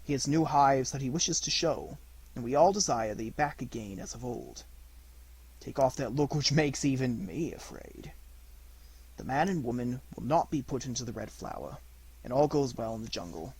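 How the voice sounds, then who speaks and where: A man voicing a proud, menacing black panther in a storybook, speaking in a measured, quietly imperious way. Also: medium pitch, animated, breathy edge, rough recording. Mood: calm, coaxing.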